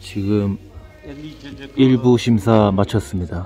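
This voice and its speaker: A man speaks with a fairly low pitch and fairly even intonation. The sound is dry with no echo, and faint music plays in the background. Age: 30s. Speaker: singer. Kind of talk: casual vlog talk to camera. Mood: relaxed, playful. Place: hall. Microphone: phone near.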